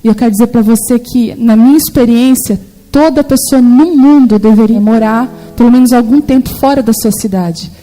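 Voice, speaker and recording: High-voiced Brazilian woman preaching. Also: moderate pace, low-quality recording. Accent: Brazilian Portuguese. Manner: animated storytelling, acting out quoted voices. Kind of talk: sermon.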